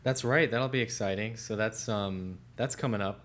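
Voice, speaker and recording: A man co-hosting a casual tech podcast as a smartphone editor, relaxed and trailing off quietly at the ends of phrases. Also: fairly low pitch, normal speed. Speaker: senior smartphone editor, co-host.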